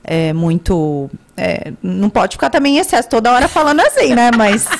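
A middle-aged woman with a Brazilian accent, a speech therapist guest, explaining calmly in a podcast studio. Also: fairly high pitch, creaky. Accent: Brazilian Portuguese. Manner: calm, explanatory, measured. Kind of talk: interview conversation. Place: small podcast studio indoors. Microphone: studio boom mic with headphones.

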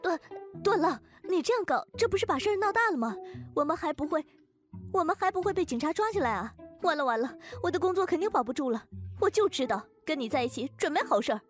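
A woman's voice: high voice, lively intonation, fast, faint music behind. A woman playing an anxious, flustered young hospital worker in an audiobook drama, agitated and exclamatory. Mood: panicked. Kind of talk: Chinese audiobook drama acting.

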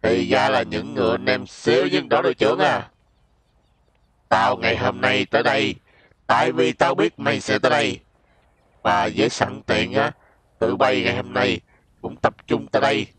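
A man voicing a vengeful giant anime robot, making slow, deliberate threats in a game video. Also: lowish voice, fairly bright tone, voice pushed down, close to an everyday voice. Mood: smug, vengeful.

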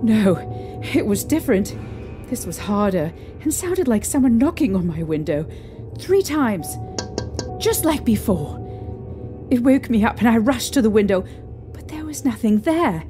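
A woman playing a frightened young mother in an audio drama, recounting a haunting with halting, emotional delivery. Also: a little high, sing-song. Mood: shaken, haunted. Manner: halting, emotional storytelling with trembling pauses. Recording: eerie music behind.

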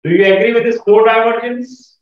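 A man's voice: very high voice, steady tone, a little fast. A middle-aged man with a South Asian accent teaching a class, questioning students and checking that they follow. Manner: encouraging, checks understanding often. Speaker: physics teacher. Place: indoor classroom at a whiteboard. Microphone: far camera. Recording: echoey room, far mic, slightly dull.

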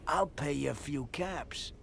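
A man's voice: fairly high pitch, gravelly, background noise, full character voice. An actor voicing a shady, cocky male bartender in a video game, talking in a folksy, swaggering drawl. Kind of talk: video game character dialogue.

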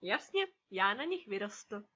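Gruff stingy duck uncle from a storybook, done by a woman; lively, dull lo-fi sound. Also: mid-range voice, pitched below the performer's own voice, heavily acted. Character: grumpy, stingy male cartoon duck uncle.

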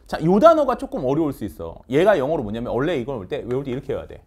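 A middle-aged man with a medium-pitched, slightly rough voice teaches English vocabulary in an online lecture. He's energetic and coaxing, firing quick questions at his students.

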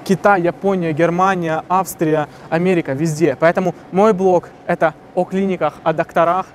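A man's voice: sits high, fairly even intonation, moderate pace, a little hiss or hum. A young man, a dentist hosting his own vlog, talking upbeat and enthusiastic to camera on a city street.

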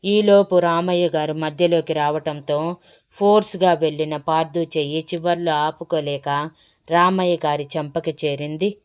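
A woman narrates an emotional romance serial with steady, dramatic storytelling. Her voice is smooth and resonant, sitting somewhat low for a woman. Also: a little slow. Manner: dramatic, even-paced storytelling.

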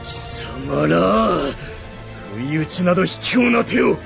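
An actor playing a gloating, menacing villain in a fantasy radio drama, with a gravelly, taunting delivery. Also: male voice, sits high, animated, slow, heavily acted. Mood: enraged. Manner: taunting, theatrical. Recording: loud music under the voice.

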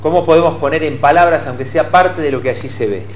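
A middle-aged man co-hosts an interview, talking quickly. The sound is echoey with a faint hum. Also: on the high side. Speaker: TV co-host. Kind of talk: conversational interviewing. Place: TV studio.

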